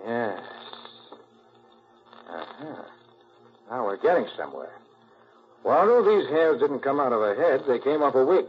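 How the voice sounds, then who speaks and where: A man's voice: mid-range voice, very animated, a little slow, pauses often. A man playing a confident, shrewd master detective in a 1940s radio drama, decisive and authoritative. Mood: investigating. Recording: muffled, noisy old 1940s radio recording.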